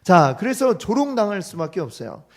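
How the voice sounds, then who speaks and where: A male pastor giving a teaching sermon in church, who often puts questions to the congregation and retells the story with lively quoted lines. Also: high-pitched, brisk. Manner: asks the congregation frequent questions.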